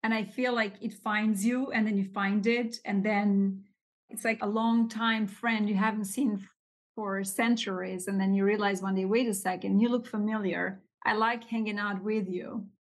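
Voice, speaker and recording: A woman in her forties from Albania, speaking English as a podcast guest and telling her story in an expressive, animated way. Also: medium pitch, normal speed. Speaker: guest, real estate capital raiser. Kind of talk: casual interview storytelling.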